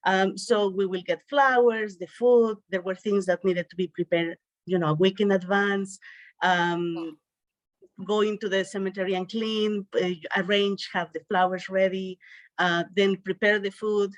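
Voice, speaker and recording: A woman's voice: mid-range voice, fairly even intonation, unhurried, no echo, lo-fi sound. Mexican-accented woman, dry close sound. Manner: chatty, frequent um and uh fillers. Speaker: guest. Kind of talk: casual interview storytelling.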